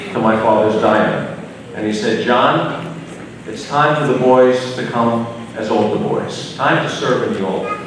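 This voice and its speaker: Earnest man speaking in an echoey hall. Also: mid-range voice. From United States. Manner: measured, earnest, reflective. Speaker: physician giving a speech. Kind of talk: prepared speech. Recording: echoey hall from far off, noisy.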